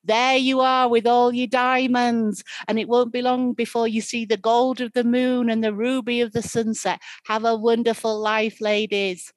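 A woman storyteller voicing the spirit of March, a male wind figure who speaks in a loud, high, mocking way. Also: little pitch movement, moderate pace, few pauses, no echo, natural voice. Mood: gleeful.

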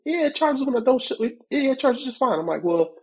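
A man co-hosting a tech podcast chats casually in an extremely high, sing-song voice that runs a little fast with a breathy edge. He sounds a bit congested from a cold, laughs often, and acts out both sides of conversations.

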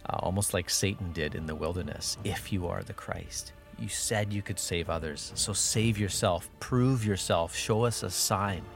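A man teaching through a Bible passage on a podcast, reflective in tone, reading scripture aloud with rising emphasis. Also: low voice.

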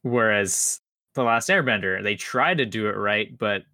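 Young dude on a podcast, slangy and rambly, punchy bright voice, kinda low. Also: male voice, a little slow, no room sound, studio quality. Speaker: podcast co-host. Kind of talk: casual chat.

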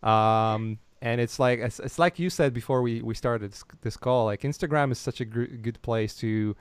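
A man's voice: medium pitch, moderate pace, clean tone, no echo. A man hosting a casual interview over a call, talking with many restarts and fillers and laughing easily. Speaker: podcast host.

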